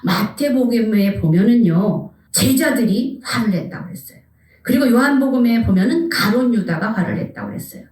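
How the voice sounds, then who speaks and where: A woman pastor preaching a sermon, animated, asking her congregation questions and sometimes dropping to a whisper. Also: on the high side, fairly quick. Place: church sanctuary. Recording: echoey church hall, mic at a distance.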